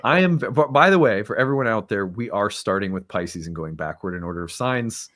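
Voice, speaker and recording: Man hosting, lowish voice, dry sound. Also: lively intonation, fairly quick, fairly bright tone, no room sound. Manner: earnest and upbeat, with some fillers. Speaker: host. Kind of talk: casual talk and fundraising appeal.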